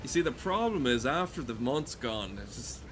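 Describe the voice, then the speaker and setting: A man's voice: mid-range voice, big pitch swings, moderate pace, background noise. A man giving crude, comedic, rambling commentary while playing a game, swearing often. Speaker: gamer talking over gameplay.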